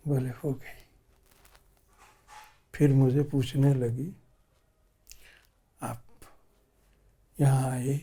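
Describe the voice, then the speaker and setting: A man with a dark, mellow tone and a somewhat breathy voice speaks at a fairly high pitch. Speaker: spiritual teacher / guru narrating personal experience. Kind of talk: spiritual discourse, personal anecdote told to audience. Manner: gentle, sweet, soft-spoken.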